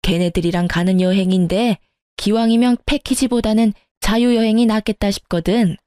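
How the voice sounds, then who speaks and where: A domineering older mother-in-law, voiced by a woman storyteller, who orders people about and scoffs at refusals. Her voice is mellow and rounded, recorded dry and close with no room sound. It is radio-story telling, not a fully transformed character voice. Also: mid-range voice, no room sound, natural voice. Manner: bossy, condescending. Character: pushy older mother-in-law, demanding and scornful.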